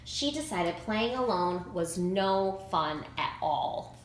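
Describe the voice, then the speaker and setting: Animated woman reading a storybook, roomy sound. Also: on the low side, takes it slowly. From United States. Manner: expressive, emphatic storytelling for children. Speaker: children's author reading own picture book. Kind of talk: read-aloud storybook narration. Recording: roomy echo, clear background noise.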